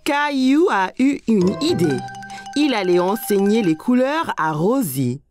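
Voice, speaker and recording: A woman narrating a children's cartoon as a warm, scripted storyteller. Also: medium pitch, big pitch swings, a little slow. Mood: storytelling. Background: faint music.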